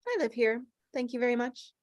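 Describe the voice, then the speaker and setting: A woman's voice: on the high side, brisk, a little mellow, no room sound, lo-fi sound, natural voice. A woman playing an eerie, coyly innocent woman in white who needles and probes, in a scripted table read. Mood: coy, needling.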